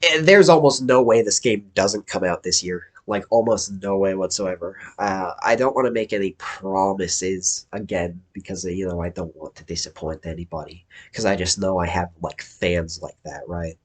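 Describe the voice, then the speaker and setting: A man's voice: low-pitched, normal speed, few pauses. A man, an indie game developer, giving a casual update vlog in an enthusiastic, rambling way that keeps correcting itself.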